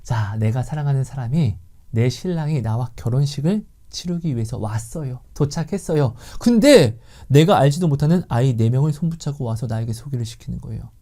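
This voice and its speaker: A woman preaching a sermon in a dramatic way, dropping to hushed whispers and rising to loud outbursts, and acting out imagined conversations. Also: extremely low pitch, expressive, fairly quick. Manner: acts out imagined dialogue. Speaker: Christian speaker sharing faith teaching.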